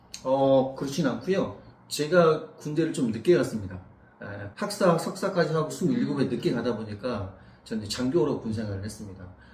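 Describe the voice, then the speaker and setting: With audible room echo and noticeable background noise, a man at medium pitch speaks at a moderate pace, his pitch swinging very widely. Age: 40s. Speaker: local council candidate. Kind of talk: interview.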